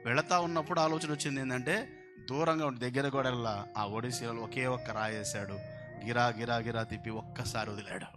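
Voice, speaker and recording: A man preaching a sermon, telling the story with lively, animated delivery. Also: mid-range voice, brisk. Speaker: pastor. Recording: music behind the voice. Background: music.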